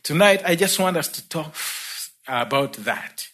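Bright-voiced Ugandan man preaching. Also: on the high side, lively intonation, measured pace. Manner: warm storytelling, laughs between points. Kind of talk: sermon testimony. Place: church.

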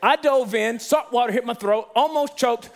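Man, very high voice, guest preacher, comic and animated storytelling sermon. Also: moderate pace. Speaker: guest speaker.

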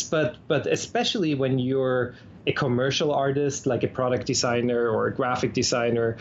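A man's voice: medium pitch, slight background noise. Chatty Austrian-accented man, lo-fi sound. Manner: chatty, frequent restarts and repeated words. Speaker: guest. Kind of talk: casual interview conversation.

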